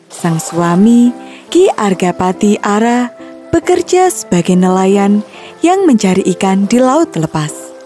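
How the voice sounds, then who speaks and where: Children's story narrator: woman, warm and mellow, very lively intonation. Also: mid-range voice. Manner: expressive, storybook-like. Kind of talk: scripted narration of a children's fairy tale.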